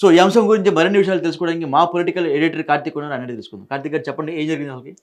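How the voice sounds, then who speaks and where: Brisk male news host, higher voice. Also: steady tone. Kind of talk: news presenting, questioning a guest.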